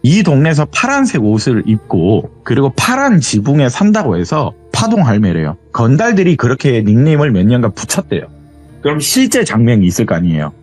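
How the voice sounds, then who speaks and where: A man's voice: medium pitch, fairly quick, soft background music. A young man acting as a guest storyteller, who tells a true horror story in a casual way and acts out the dialogue. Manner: animated, acts out quoted dialogue.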